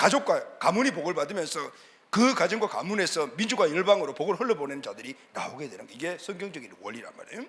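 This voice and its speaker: Over noticeable background noise, a man with a high pitch speaks in a raised, projected voice at a fairly quick pace with very wide pitch swings. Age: 70s. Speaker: pastor. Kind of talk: sermon.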